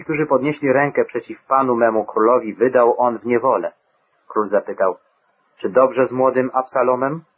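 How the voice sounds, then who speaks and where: Husky low-voiced man reading scripture. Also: dull audio. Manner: measured, solemn reading. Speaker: Bible reader.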